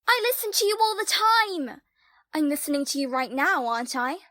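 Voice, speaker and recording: A woman's voice: high voice, sing-song, normal speed, pushed and bright, no room sound, studio quality, full character voice. A woman playing a proud, stubborn young twin sister in an audio drama, argumentative and defiant.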